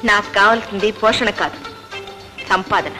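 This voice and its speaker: A woman's voice: medium pitch, fairly even intonation, normal speed, sharp tone, soft background music, lightly acted, rough recording. An actress playing a proud young woman seeking work in a film drama, speaking with firm, polite dignity. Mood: dignified, firm. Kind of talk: Telugu film drama acting.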